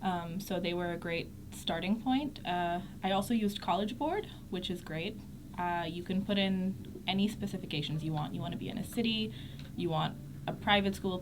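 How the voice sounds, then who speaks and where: A woman's voice: lowish voice, background noise. A young woman from Pakistan, a guest on a radio show, talking fluently and upbeat about studying abroad. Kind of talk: radio interview.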